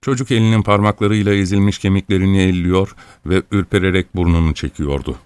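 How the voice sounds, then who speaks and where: Low-voiced man narrating a story. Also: steady tone, fast talker, darkish tone, smooth, no room sound.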